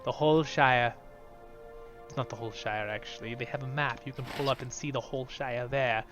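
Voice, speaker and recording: Recorded over music with the highs cut off, a YouTube host talks a little fast in a mid-range voice with fairly even intonation. He keeps up chatty, upbeat commentary on a fantasy game he's playing, occasionally wandering into softer asides.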